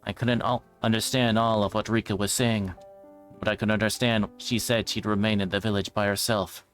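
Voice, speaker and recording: A man's voice: fairly low pitch, flat delivery, moderate pace, a bit bright, faint music behind. A man reading a visual novel aloud as a livestreamer, now and then stumbling and rereading. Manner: stumbles over words and rereads them.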